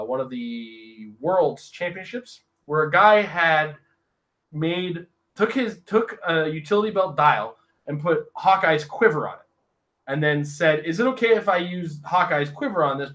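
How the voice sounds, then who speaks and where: A man's voice: on the high side, fairly bright tone. A man co-hosting a podcast, chatting casually and telling easygoing stories about gaming. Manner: easygoing storyteller. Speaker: podcast co-host. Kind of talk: casual chat.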